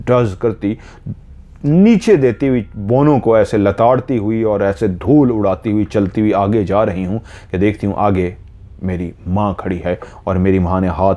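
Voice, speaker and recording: A man's voice: on the low side, dark tone. A man telling a horror story, earnestly retelling a listener's dream in first person and drawing out repeated phrases.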